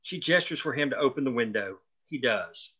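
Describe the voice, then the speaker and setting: A man's voice: medium pitch, lively intonation, brisk, sharp tone, slightly rough, muffled recording. A man reading scripted stage directions aloud at a screenplay table read.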